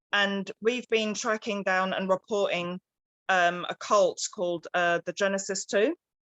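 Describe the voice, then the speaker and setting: Her British accent comes with a medium pitch and fairly even intonation. The woman speaks at a fairly slow pace. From UK. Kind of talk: casual chat.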